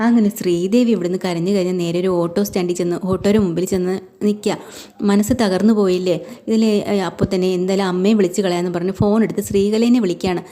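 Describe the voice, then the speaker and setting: A woman's voice: fairly low pitch, fairly even intonation, fast, dark tone. A woman casually retelling a TV serial episode, chatty and full of tag questions. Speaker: storyteller.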